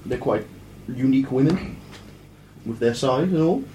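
A man improvising a boastful tall tale in character, rambling and halting as he goes. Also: medium pitch, lively intonation, dark tone. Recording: echoey room with faint noise.

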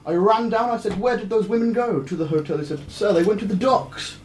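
A man improvising a boastful tall tale in character, rambling and halting as he goes. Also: high-pitched. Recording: echoey room with faint noise.

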